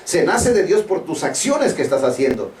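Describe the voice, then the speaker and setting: A man's voice: on the high side, very animated, normal speed, a little mellow. A man preaching a sermon, earnest and direct, pressing listeners with emphatic questions. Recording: echoey room, voice from far off the mic.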